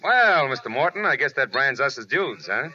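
A man's voice: mid-range voice, very animated, moderate pace, sharp tone. A man playing a wry, hard-boiled American private detective in a 1940s radio drama, with clipped tough-guy delivery. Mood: needling. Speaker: lead actor and first-person narrator. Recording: muffled old radio recording, faint hiss.

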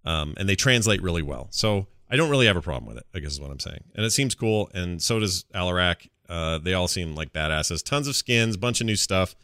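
Male podcast host, lowish bright voice, casual conversational chat, close dry sound. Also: animated, brisk, hardly any pauses, clear, resonant tone, no echo.

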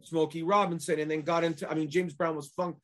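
A man's voice: on the high side, flat delivery, fast talker. A man in his forties from Canada, a musician guest telling stories and joking in a casual interview. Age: 40s. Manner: joking, storytelling.

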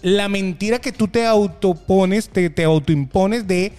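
Animated Venezuelan man, high voice. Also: unhurried, smooth, soft background music. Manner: animated storytelling, acts out quoted voices. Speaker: podcast co-host. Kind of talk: casual podcast chat.

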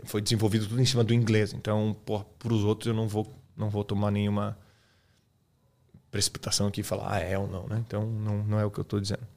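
A man with a Brazilian Portuguese accent, an English teacher explaining his method in a relaxed, colloquial chat, often tagging his sentences with quick questions. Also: on the low side, creaky. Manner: relaxed, colloquial, peppers speech with tag questions.

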